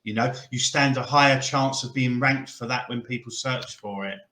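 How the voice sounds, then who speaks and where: A man's voice: mid-range voice, steady tone, moderate pace, pushed and bright. Guy answering questions on a call, lots of ums, echoey room. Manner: hesitant, filler-heavy. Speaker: guest expert. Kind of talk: casual Q&A answers.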